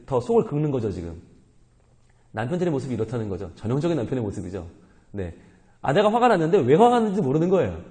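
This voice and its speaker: Lively, mellow-voiced male pastor preaching. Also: medium pitch, fast talker. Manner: animated, humorous, engages congregation with questions. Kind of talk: sermon. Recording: reverberant hall.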